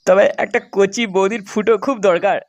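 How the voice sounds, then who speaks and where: A man's voice: high voice, fairly even intonation, fairly quick, lo-fi sound. A man voicing a lecherous, grumbling, foul-mouthed young fellow in a crude comedy cartoon. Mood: grumbling, lustful. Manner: crude, bragging. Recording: faintly noisy cartoon soundtrack.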